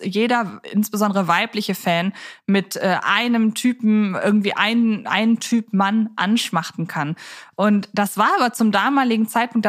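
Woman chatting analytically on a podcast. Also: medium pitch. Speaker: podcast host. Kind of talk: conversational podcast discussion.

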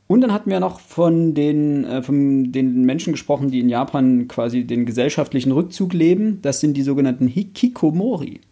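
Husky, mellow young man hosting. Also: medium pitch, normal speed, few pauses. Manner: hesitant, self-correcting, thinking aloud. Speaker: podcast host. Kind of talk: casual book discussion.

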